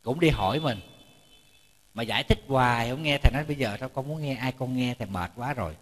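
Fast and mid-range, a male Buddhist monk's voice carries a chatty storytelling sermon with plenty of repetition and jokes for his audience. The recording comes from a temple lecture hall with noticeable reverberation.

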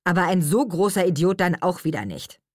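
A woman's voice: on the low side, big pitch swings, fairly quick, dry recording. Woman doing a cocky sarcastic young guy, teasing, lots of ups and downs, dry studio. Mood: defensive. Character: cocky young man, mocking and blunt.

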